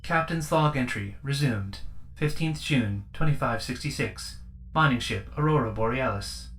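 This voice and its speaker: A man voicing an impersonal ship's computer in a sci-fi audio drama, making measured, formal log announcements. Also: medium pitch, background noise, close to an everyday voice. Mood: neutral, official. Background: faint music.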